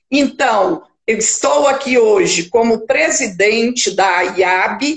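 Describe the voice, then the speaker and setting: Her pitch high and her pace very slow, a woman speaks with very wide pitch swings. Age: 60s. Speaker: retired teacher, braille library volunteer. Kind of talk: interview on a live show.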